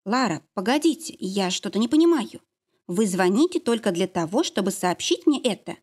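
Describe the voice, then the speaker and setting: A woman voicing a mild-mannered mother who is ill and just woken, with a hoarse, sleepy voice. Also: mid-range voice, very animated, moderate pace, a little mellow. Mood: calm, puzzled. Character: sick, sleepy, gentle mother, adult woman.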